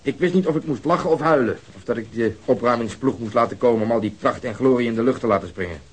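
Man doing dry ironic detective, husky voice, radio play. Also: medium pitch, fast talker, close to an everyday voice. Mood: wry. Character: wry police detective reporting, middle-aged man. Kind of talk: radio drama acting.

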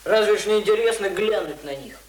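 An actor in a radio play playing a plain-spoken, cocky young village student explaining things simply. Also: male voice, high-pitched, animated, a little fast. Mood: earnest, confident. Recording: roomy, echoing radio drama recording.

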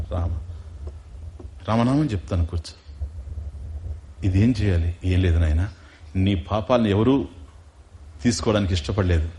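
Lively man telling a devotional story. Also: low voice. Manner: storytelling with questions to listeners, acting out dialogue; slows down for emphasis, chants Sanskrit verses. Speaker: spiritual discourse speaker. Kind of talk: Telugu religious discourse, storytelling.

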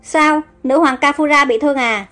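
A woman's voice: high-pitched, normal speed, a bit bright, soft background music. A woman voicing a proud young male emperor who sounds flustered.

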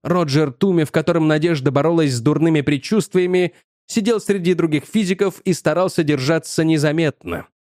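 A man narrating an audiobook in a measured storytelling manner. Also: a little high, darkish tone, no room sound, studio quality. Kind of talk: scripted narration.

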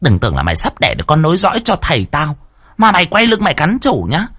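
A man voicing a spiteful young woman with a shrill, sharp-tongued voice, scolding and accusing in a spoken horror story. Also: wildly swooping pitch, quick pace, husky, full character voice. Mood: vicious scolding. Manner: screeching, bullying, accusing.

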